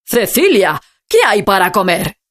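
A woman's voice: mid-range voice, big pitch swings, measured pace. A woman voicing a proud, cheerful old grandfather with a hearty, friendly manner.

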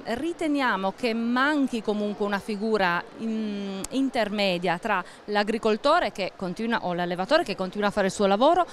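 A middle-aged woman interviewed at a fair stand, explaining a project in a measured way with frequent pauses and fillers, speaking into a handheld mic. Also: mid-range voice, a little hiss or hum. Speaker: interviewee, agricultural association staff. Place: indoor exhibition stand at a book fair.

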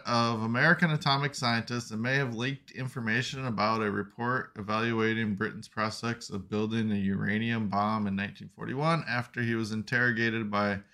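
A man with a bright, forceful voice co-hosts a relaxed science podcast. He reads articles aloud at a steady clip and keeps breaking off for chatty, joking asides. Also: medium pitch. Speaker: podcast co-host. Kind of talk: casual chat reading articles aloud.

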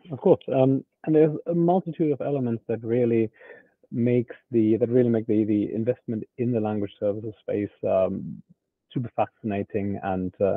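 A man's voice: lowish voice, vocal fry, no room sound. A man in his forties, a guest investor answering interview questions over a video call, eager and using fillers. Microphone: video call with earbuds. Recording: tinny phone-like call audio.

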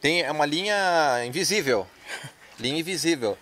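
A man's voice: a little high, lively intonation, moderate pace, fairly bright tone, a little hiss or hum. Brazilian man interviewing casually outdoors. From Brazilian border region. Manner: conversational, prompting questions. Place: outdoor backyard. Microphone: handheld microphone.

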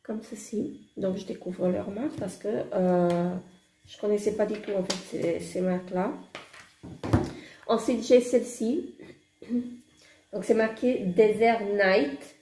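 Lady w a hoarse gravelly voice, slow makeup haul chat, echoey room. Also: mid-range voice, fairly even intonation, warm tone. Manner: hesitant, many fillers, gushing exclamations. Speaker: beauty vlogger. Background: construction noise.

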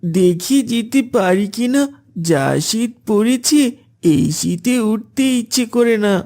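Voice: mid-range voice, lively intonation, slow, darkish tone. An actor voicing a lazy, sleepy boy in a cartoon who brushes others off. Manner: drowsy, dismissive.

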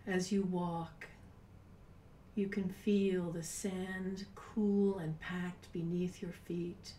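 A woman in her sixties leading a guided meditation in a soft, breathy, unhurried voice with long pauses, at times near a whisper. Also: on the low side, flat delivery. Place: small home room, indoors. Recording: roomy, distant mic with background noise.

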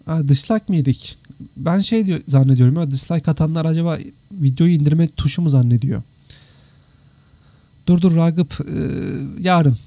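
Mellow and very dark-toned, this man's slightly worn voice is fairly high in pitch, at a moderate pace with no room sound. He's a 3D visualization teacher hosting a casual live Q&A indoors via computer stream and screen share, reading and answering viewer comments. Tired after three hours of talking, he remains chatty and informal, addressing viewers as friends.

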